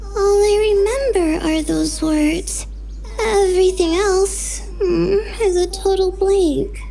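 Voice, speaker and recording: A meek young woman scholar from a fantasy game, drowsy and apologetic. Her voice sits very high and moves slowly, with a faint gravel and a darker, mellow tone. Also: fairly even intonation, heavily acted. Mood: hesitant. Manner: soft, hesitant, apologetic.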